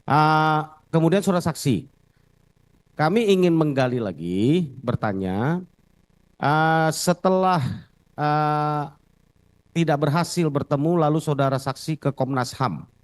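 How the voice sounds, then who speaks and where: A man's voice: on the high side, expressive, takes it slowly, pauses often, dry recording. An Indonesian man, a lawyer formally questioning a witness in court, methodical and pressing for clarification.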